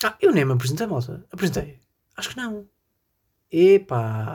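Heard on a very clean recording with a silent background, the speaker has a European Portuguese accent and a somewhat breathy voice. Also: man. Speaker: podcast host. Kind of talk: casual solo monologue. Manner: animated.

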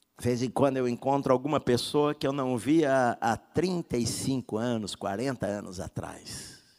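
The speech moves at a very slow pace with hardly any pauses. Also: man, medium pitch for a man, ordinary pitch variation. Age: 50s. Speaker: pastor. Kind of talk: sermon.

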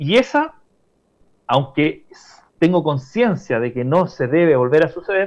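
Very wide swings in pitch from a man talking fairly slowly. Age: 50s. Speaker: entrepreneurship consultant. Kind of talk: interview. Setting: remote online interview.

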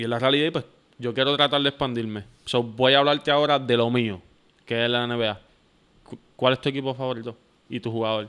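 Speaking at a fairly quick pace with a Puerto Rican accent, a man uses fairly even intonation and leaves long, frequent pauses. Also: medium pitch for a man. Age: 20s. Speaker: podcast host. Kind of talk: casual interview.

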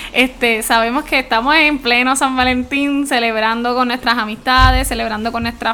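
A woman speaks in a Puerto Rican accent, high in pitch, with monotone, flat intonation. Her pace is moderate, and there is noticeable background noise. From Puerto Rico, Camuy. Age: 20s. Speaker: podcast host and poet. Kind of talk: casual chat.

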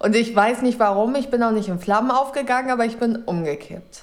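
The speaker talks at a fairly quick pace. There is noticeable background noise. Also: woman. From Germany, small town in North Rhine-Westphalia. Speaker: podcast co-host. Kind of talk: casual chat.

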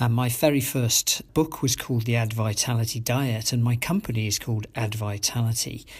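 Recorded very cleanly against a silent background, a man speaks at a medium pitch in a somewhat breathy voice with fairly even intonation. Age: 60s. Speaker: psychologist and podcast host. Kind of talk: solo podcast monologue.

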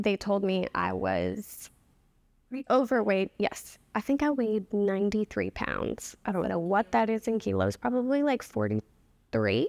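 A woman talks at a fairly slow pace, her sound dry and close with no echo, in a very clean recording with a silent background. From US South, New Orleans. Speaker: salon client sharing health journey. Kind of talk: interview, personal story.

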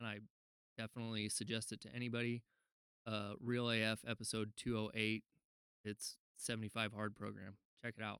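A man's fairly low voice with a bright, sharp tone, monotone, flat intonation, a moderate pace and long, frequent pauses, in a dry, close sound with no echo. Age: 30s. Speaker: podcast co-host, tradesman. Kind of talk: casual chat.

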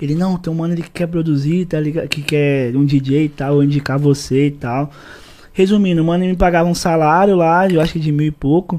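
Very fast speech from a man at a fairly high pitch, with fairly even intonation. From Minas Gerais, Brazil. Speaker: DJ and music producer. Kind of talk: casual chat.

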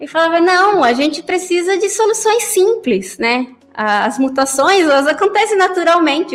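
A woman talks at a moderate pace, her pitch swinging very widely. Noticeable background noise sits behind her. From Colombia, raised in Brazil from small child. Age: 20s. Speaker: product owner, former biotechnologist. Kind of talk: casual chat. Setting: podcast.

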